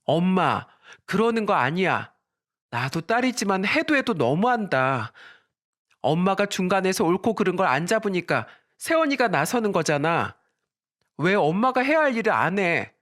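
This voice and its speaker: A man's voice: high voice, sing-song, normal speed, fairly bright tone. A man voicing a frustrated grown daughter who scolds her mother in a storybook drama. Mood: exasperated. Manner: exasperated.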